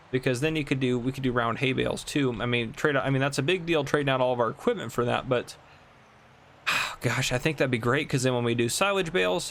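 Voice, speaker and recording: A young man with a gravelly, creaky voice rambles through relaxed gameplay commentary, chuckling now and then. His voice sits at an ordinary pitch, and a faint hiss of background noise runs under it. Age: 20s. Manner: chatty, rambling, laughs often. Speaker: gaming channel host. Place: home room.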